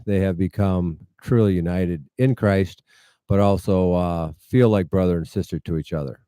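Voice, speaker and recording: A middle-aged American man with a Midwestern accent and a fairly low, smooth voice. He tells his story earnestly with wry humor, close and dry, as a guest in an interview. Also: normal speed, mellow, no echo. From United States, rural Iowa. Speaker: interview guest, medical mission founder. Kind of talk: conversational storytelling.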